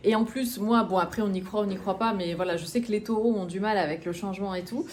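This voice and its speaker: A woman's voice: medium pitch, fast talker, a little mellow, slight background noise. A woman in her thirties from northern France, chatting and confiding to camera in a casual vlog, with many fillers. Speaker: vlogger.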